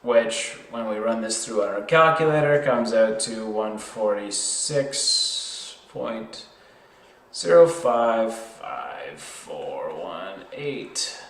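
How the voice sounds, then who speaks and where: A man's voice: lowish voice, expressive, slow, fairly bright tone. A man tutoring in an informal way, working through a problem step by step and thinking aloud. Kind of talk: worked chemistry problem lesson, explained step by step. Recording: roomy, echoey sound.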